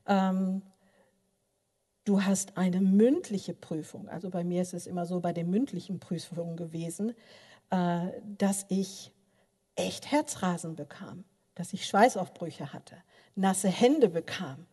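An older woman giving a sermon, telling personal stories in an animated way with many filler sounds and speaking straight to her listeners. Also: lowish voice, unhurried, breathy edge. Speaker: preacher. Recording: long reverb of a large hall.

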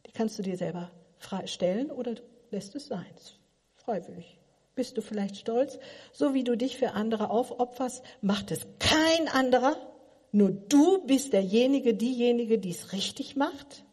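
A woman's voice: fairly high pitch, expressive, normal speed, darkish tone, husky. A middle-aged woman giving a sermon, asking her listeners earnest, probing questions. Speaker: preacher. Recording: long hall reverb.

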